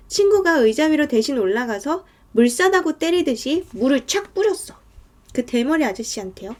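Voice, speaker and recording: A woman narrating a true horror story in a dramatic way, sometimes dropping to hushed tones. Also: high voice.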